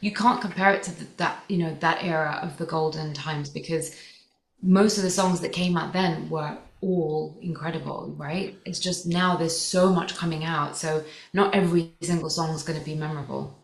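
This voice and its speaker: A woman's voice: low-pitched, fairly even intonation, moderate pace, creaky. A woman, a singer guest on a podcast, chiming in emphatically in a casual chat. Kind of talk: casual conversation. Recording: echoey room with faint noise.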